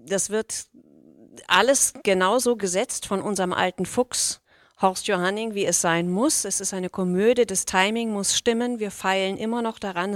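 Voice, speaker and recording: A woman stage actress explains the rehearsal process in an assured, clear way. Her voice sits at a middle pitch and the sound is dry and close. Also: no room sound. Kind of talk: interview answers.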